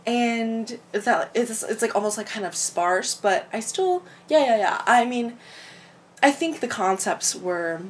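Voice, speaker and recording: A woman's voice: fairly high pitch, animated, unhurried, a little hiss or hum. A woman with a clogged-up throat, chatting casually at home about books she read, rambling, laughing and swearing freely. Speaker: book vlogger. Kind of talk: casual book review chat. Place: home room with window open.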